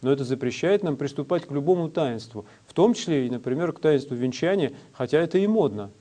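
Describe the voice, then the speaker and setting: A man preaching a sermon in a measured, instructive way, with frequent hesitations. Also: fairly high pitch, lively intonation, mellow.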